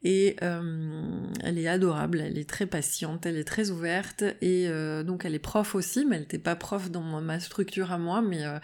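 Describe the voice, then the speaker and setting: A woman's voice: fairly low pitch, steady tone, moderate pace, hardly any pauses, a little mellow. A woman hosting her own podcast as a naturopath, talking casually with many fillers and restarts. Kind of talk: casual solo podcast talk.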